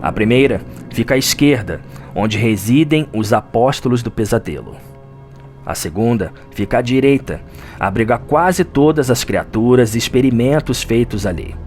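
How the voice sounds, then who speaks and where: A man with a Brazilian accent voicing a lore scholar who narrates a dark gothic nightmare in a grave, theatrical audio drama style. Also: mid-range voice, expressive, moderate pace, natural voice. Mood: solemn, explanatory. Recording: music under the voice. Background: music.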